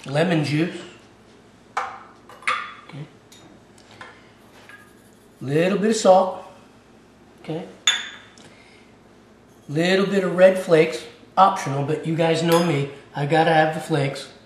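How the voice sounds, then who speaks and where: Slow and pausing often, a man with a slightly high voice goes through a recipe on his own cooking channel, chatting casually and checking in with "okay?" again and again. The echoey room and slightly distant mic come with a little hiss or hum.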